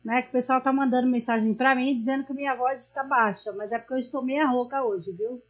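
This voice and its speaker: A hoarse woman with a Brazilian Portuguese accent, a co-host casually reading out viewer questions. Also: high voice, fairly even intonation, quick pace. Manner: casual, chatty.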